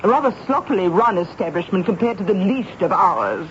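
A woman's voice: mid-range voice, expressive, brisk, close to an everyday voice. An actress playing a haughty, indignant noblewoman with an imperious, cutting manner in a 1970s radio drama. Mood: cool indignation. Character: haughty, indignant English noblewoman, accused as a conspirator. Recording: muffled, lightly noisy 1970s radio recording.

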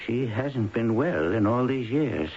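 Male actor as cautious family man, mid-pitched, hesitant, uneasy, faintly noisy old radio drama. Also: expressive, a little slow, a little mellow, highs cut off, natural voice. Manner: hesitant, careful.

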